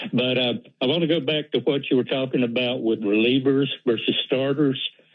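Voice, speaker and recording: Talking in a Southern US accent, a man with a medium pitch keeps a fairly quick pace and fairly even intonation. His loudness stays very even over noticeable background noise. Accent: US South. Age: 70s. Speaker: caller. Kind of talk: phone-in call. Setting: phone call.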